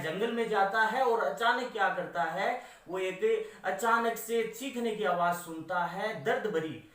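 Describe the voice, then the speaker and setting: A man's voice: high-pitched, fairly bright tone, far from the mic. A male teacher giving a lecture on poetry. He keeps asking himself questions and answering them, repeats each point, and fills his sentences with "that is to say". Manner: says "that is to say" after nearly every phrase. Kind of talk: classroom lecture explaining poetry. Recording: echoey room, voice away from the mic.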